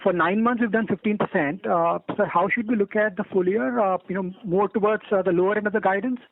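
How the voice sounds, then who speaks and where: High quick man over a tinny phone line. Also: creaky, dry recording. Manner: polite, keeps saying "sir", halting with fillers. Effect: speaking over the phone. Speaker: analyst calling into an earnings call. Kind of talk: conference call question.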